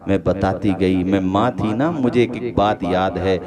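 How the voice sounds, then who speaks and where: A male preacher giving an emotional sermon, building to loud fervent peaks and calling on the listeners to answer. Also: low voice, a little slow. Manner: impassioned, rises to loud emotional peaks and urges the crowd to respond. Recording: live event with crowd responses. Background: crowd.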